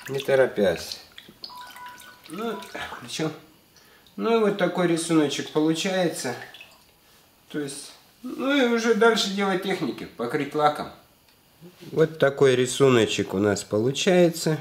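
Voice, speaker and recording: A man's voice: fairly high pitch, very animated, unhurried, pauses often, a little hiss or hum. A man in his thirties hosting a casual hands-on workshop tutorial, explaining steps with lots of fillers while a little under the weather, recorded in an indoor garage workshop on a close handheld camera. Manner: explanatory, repeats "то есть", filler-heavy. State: slightly ill. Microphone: camera mic, handheld close.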